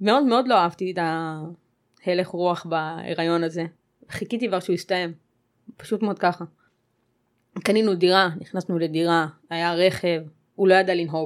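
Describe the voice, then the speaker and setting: A woman's moderately paced speech with fairly even intonation and long, frequent pauses, on a very clean recording with a silent background. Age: 30s. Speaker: abuse survivor. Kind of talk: testimony.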